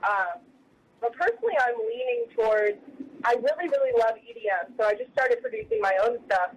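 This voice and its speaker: A woman's voice: on the high side, animated, brisk, husky. A young woman, a guest musician, chatting casually by phone from her car, restarting her words as she talks. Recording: dull lo-fi phone line with faint noise.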